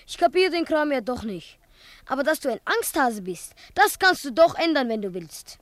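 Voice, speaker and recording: Blunt tough schoolboy played by a woman, offhand, super high voice, dry, radio play. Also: sing-song, moderate pace, dry recording. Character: blunt, sturdy schoolboy, poor at lessons.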